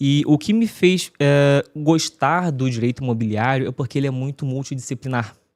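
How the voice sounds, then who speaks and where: A man speaks with a strong Rio de Janeiro accent at a moderate pace and fairly high pitch, with ordinary pitch variation. The recording is very clean, with a silent background and a dry, close sound with no echo. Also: hardly any pauses. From Rio de Janeiro, Brazil. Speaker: real estate lawyer. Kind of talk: podcast interview.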